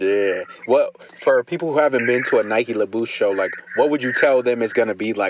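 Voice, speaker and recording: Very rapid speech from a man, with noticeable noise in the background. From Ohio. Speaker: podcast host. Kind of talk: phone interview; scripted intro.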